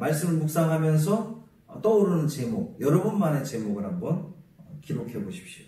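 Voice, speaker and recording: At a moderate pace, a man with a fairly high pitch speaks with lively intonation amid audible room echo. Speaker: pastor. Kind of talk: bible study lecture. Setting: recorded online broadcast.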